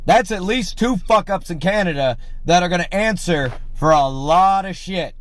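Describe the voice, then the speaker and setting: A man berates the people he is confronting, swearing and stressing each word. His voice sits a little above the usual pitch for a man. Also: fairly bright tone. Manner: profane, berating, slow and emphatic. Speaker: host. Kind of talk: heated confrontation on a call.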